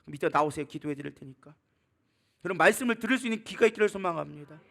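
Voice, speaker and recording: A male pastor delivers a sermon in a voice gone hoarse, rough and gravelly. He talks quickly and sits high in his range. He presses his listeners with urgent exhortation and bursts into loud scolding when he quotes. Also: expressive.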